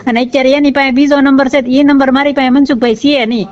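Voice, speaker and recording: A woman's voice: sits high, steady tone, fast, a little mellow. A woman of about forty with a rural Saurashtra Gujarati accent, talking casually and plaintively on a phone call, often asking the listener to agree. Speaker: caller seeking help with a marital dispute. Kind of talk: casual phone conversation, recounting grievances. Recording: noisy dull lo-fi phone call recording.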